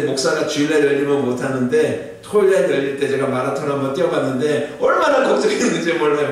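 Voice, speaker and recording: A middle-aged male pastor preaches with a fairly high voice, asking his listeners question after question in a chatty sermon. He sounds far from the microphone, and his words ring through a very echoey church hall. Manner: conversational preaching with rhetorical questions to the congregation. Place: church sanctuary.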